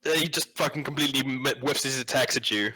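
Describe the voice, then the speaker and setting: A man's voice: mid-range voice, fast, bright, forceful tone, slight background noise. A man acting as game master, improvising tabletop game narration in a casual, sweary, slangy way.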